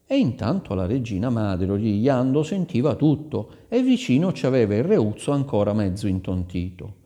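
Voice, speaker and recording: Male storyteller, lively melodic reading, mellow tone, echoing hall. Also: medium pitch, moderate pace. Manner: expressive, theatrical storytelling. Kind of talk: reading a fairy tale aloud.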